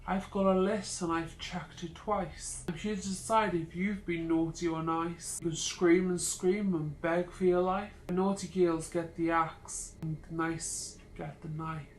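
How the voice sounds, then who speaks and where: A woman playing a menacing, creepy fake Santa, a big man with a slow, taunting delivery and a British-sounding accent, in a spooky story. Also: medium pitch, roomy sound, slight background noise, natural voice, low-quality recording. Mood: sinister, gloating.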